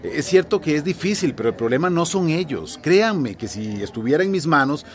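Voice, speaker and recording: An actor playing a tired, placating town mayor in a radio drama, sounding exasperated. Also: male voice, on the high side, lively intonation, a little fast, natural voice. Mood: weary. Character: weary small-town mayor, middle-aged man.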